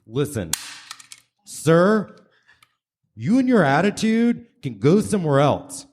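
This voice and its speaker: A man playing a rude, deadpan fast-food worker in a comic radio play on stage. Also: a little high. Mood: fed up, sassy. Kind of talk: comic radio play before a live audience. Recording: noisy live theater stage recording.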